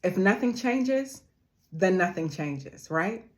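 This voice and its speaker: This woman's voice sits notably deep and low, yet her delivery is animated as she gives a motivational talk directly to viewers. Earnest throughout, she addresses them as "family," slowing to repeat key phrases so they land.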